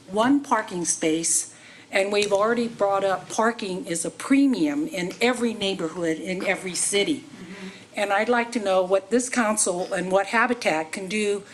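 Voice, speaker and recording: A woman's voice: medium pitch, slight background noise. A woman speaking at the podium during public comment at a city council meeting, pressing the council with questions.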